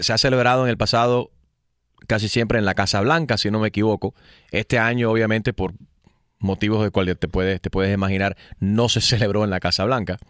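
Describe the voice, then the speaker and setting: Guy hosting morning radio, lively, mixes spanish and english, dry studio sound. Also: fairly low pitch, dry recording. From United States. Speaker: radio host. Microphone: studio mic.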